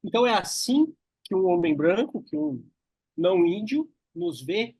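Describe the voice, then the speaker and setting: A man's voice: sits high, very animated, a little slow, darkish tone, slightly rough, dry recording. A man hosting an interview, reflecting thoughtfully and sharing a personal anecdote with his guest. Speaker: interview host. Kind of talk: casual interview chat.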